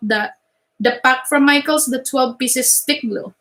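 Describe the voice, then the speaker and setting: A woman's high, bright and sharp voice with a non-native accent, fairly even intonation and a moderate pace. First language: not English. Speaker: paper flower crafter and small business owner. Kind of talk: live stream Q&A tutorial. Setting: live stream. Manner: halting with frequent fillers and repetitions.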